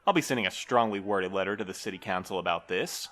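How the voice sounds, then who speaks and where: A man's voice: low-pitched, fast talker, fairly bright tone. A man playing a flustered, wordy office manager in an audio drama, formal and bureaucratic in manner. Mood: exasperated, formal.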